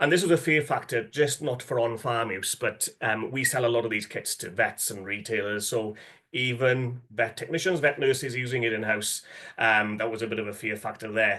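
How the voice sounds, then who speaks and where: A man with a Welsh accent speaks at a medium pitch. His tone is bright and sharp, with ordinary pitch variation. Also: moderate pace. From Wales. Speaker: animal parasite testing specialist. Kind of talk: webinar presentation. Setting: online webinar. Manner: halting, many fillers and repetitions.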